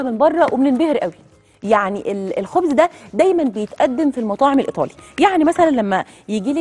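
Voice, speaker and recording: A woman is speaking. Her pitch swings very widely. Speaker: TV cooking show chef host. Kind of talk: TV cooking show presentation. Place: studio.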